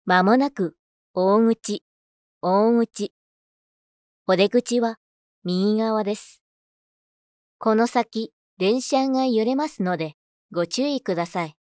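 A woman voice actor reading scripted narration and announcements in a clearly enunciated, rehearsed delivery. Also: medium pitch, slow pace, long pauses, a little mellow, no echo, clean studio sound.

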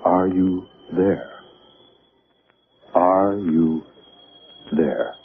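An American actor playing a calm, friendly doctor and hypnotist in a radio drama. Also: male voice, low voice, extremely slow, exaggerated voice. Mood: soothing, hypnotic. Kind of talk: 1970s radio drama acting. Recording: noisy, tinny old radio broadcast.

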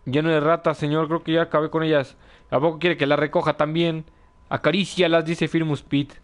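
A young man with a Mexican accent streams a video game, his slightly high voice holding a level tone at a fairly quick pace. He reads chat messages aloud, laughs often, and keeps the commentary casual.

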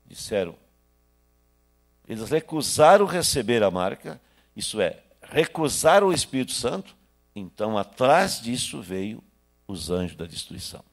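An older Brazilian pastor preaches with a gravelly edge and a lively, rising and falling pitch. He swings from loud bursts to near-whispered asides, speaking into a handheld microphone in a small church hall. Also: unhurried. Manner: preaching with sharp swings between loud and hushed. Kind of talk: sermon.

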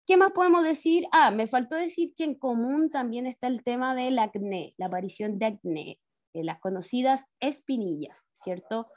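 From home on a video call, a woman with a voice on the high side, expressive and a touch mellow, teaches science at normal speed in Chilean-accented Spanish. She addresses the pupils as kids, explains each step, and checks understanding with tag questions, recorded on her laptop mic.

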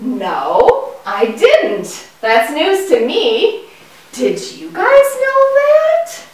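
A woman voicing a naive, curious puppet boy in a children's educational show, with exaggerated wonder and drawn-out questions. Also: very high-pitched, huge pitch swings, full character voice. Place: indoor puppet stage in a room. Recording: echoey room, distant microphone.

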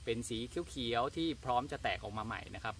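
A man in his thirties giving a polite, steady gardening demonstration outdoors at a plant nursery. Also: medium pitch, fast talker, a little hiss or hum. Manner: polite, steady instructional delivery. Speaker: farm channel host.

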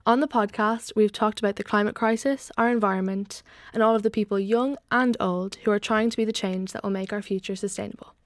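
Speaking briskly with hardly any pauses, a young female podcast host introduces the guests on her panel show and asks them easy questions, her friendly introductions sounding scripted. Her medium-pitched voice stays fairly even in intonation, and the recording is dry. She's indoors on a TV-style studio set, wearing headphones, with a large desk microphone.

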